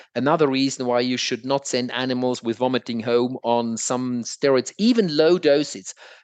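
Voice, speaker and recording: A man talks in an ordinary speaking voice at a medium pitch and moderate pace, with fairly even intonation. The sound is dry and close with no echo, over a quiet background. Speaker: veterinarian. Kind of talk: interview.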